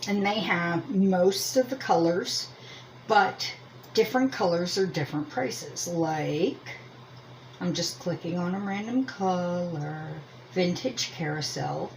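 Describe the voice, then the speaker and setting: Speaking slowly in a low voice, a woman from Lancaster County, Pennsylvania, hosts a homemade, chatty review for her crochet and yarn channel. Her Pennsylvania Dutch American accent comes through as she rambles self-deprecatingly, and the low-quality recording has a little hiss or hum.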